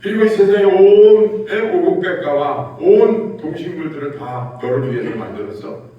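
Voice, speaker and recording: A male pastor voicing God as a fatherly male voice who calls a man by name, slow and drawn out, in an echoey hall. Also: a little high, animated, phone-quality sound, natural voice. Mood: tender. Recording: echoey church hall, distant mic.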